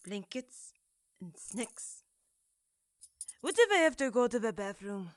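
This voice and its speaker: A woman's voice: fairly high pitch, very animated, takes it slowly, no room sound, studio quality. A woman voicing a sulky, sheltered young prince who sounds petulant, hesitant and naive. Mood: glum, sulky.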